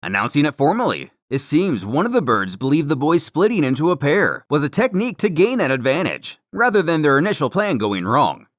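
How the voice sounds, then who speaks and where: A man's voice: a little high, big pitch swings, brisk, hardly any pauses, dry recording, clean studio sound. A man narrating a scripted story recap in a theatrical, wordy storytelling manner. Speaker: narrator of a comic recap series.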